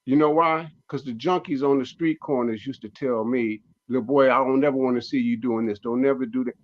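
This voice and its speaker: A comedian in his sixties, appearing as a guest in a casual radio talk show discussion, speaks emphatically and preachily, repeating his points and phrases. His mid-range voice is steady and brisk, and the highs are cut off.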